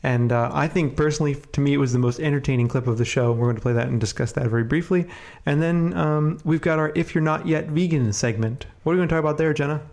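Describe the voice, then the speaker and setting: A man co-hosting a podcast in a relaxed, chatty way, sounding congested and sniffly from a cold and leaning on fillers. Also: fairly high pitch, fast, hardly any pauses. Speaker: podcast co-host. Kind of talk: casual podcast chat.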